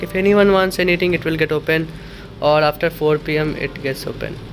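A man speaks with fairly even intonation. Light background noise sits under his voice. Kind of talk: casual vlog tour narration. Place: street. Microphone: phone near.

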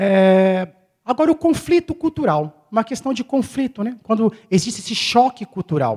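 A man with a high-pitched voice talks at a moderate pace, his pitch swinging very widely. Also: quiet background. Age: 40s. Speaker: lecturer on literature. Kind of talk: lecture. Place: hall. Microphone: handheld.

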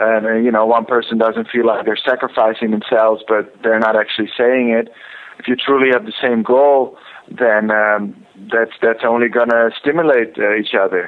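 A man's medium-pitched voice in a Dutch accent, monotone and flat, at a moderate pace with very even loudness and noticeable background noise. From Netherlands. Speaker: actor. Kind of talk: radio interview. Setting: phone call.

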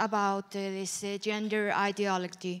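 Over a quiet background, a woman speaks at a very slow pace. She has an Icelandic accent. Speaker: editor, audience member; audience member. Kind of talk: audience question. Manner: halting. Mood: earnest, concerned. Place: hall. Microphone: handheld.

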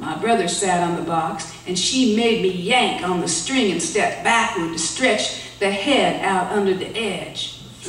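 Reading voice, natural.

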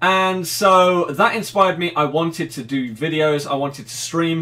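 This man's fairly high, bright, sharp voice has lively intonation and an East Midlands accent. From England, East Midlands. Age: 20s. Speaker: gaming YouTuber and streamer. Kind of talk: casual Q&A monologue to camera. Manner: casual, frequent filler 'uh'. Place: home room. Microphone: webcam.

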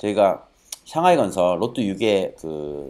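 A man speaks. His tone is dark and mellow. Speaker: expat vlogger touring a site. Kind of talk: casual vlog commentary. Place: street. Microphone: phone near.

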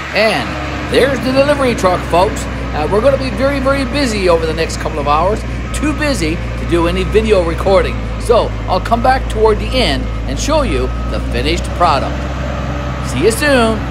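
Music plays in the background as someone talks at a moderate pace. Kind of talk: casual vlog chat. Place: open country. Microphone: phone near.

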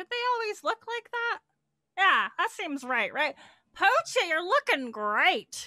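A put-on character voice at an extremely high pitch, with very wide pitch swings and a fairly slow pace

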